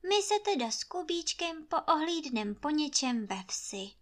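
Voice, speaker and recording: A woman's voice: high-pitched, very animated, fairly bright tone, voice pushed up. Woman doing a sugary wheedling housemaid. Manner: humble, wheedling, sugary pleading. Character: meek, cunning young peasant housemaid.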